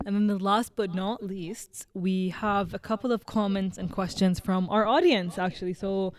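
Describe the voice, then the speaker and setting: A woman's voice: medium pitch, fairly even intonation, moderate pace. A young woman hosting a podcast, chatty and full of fillers. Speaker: podcast host. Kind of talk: casual group chat.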